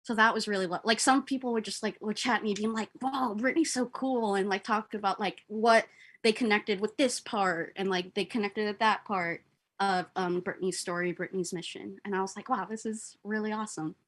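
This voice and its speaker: A woman's voice: mid-range voice, steady tone, brisk, fairly bright tone. A young woman organizing a livestream, talking casually in an effusive, earnest, giggly way. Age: young adult. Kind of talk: casual chat.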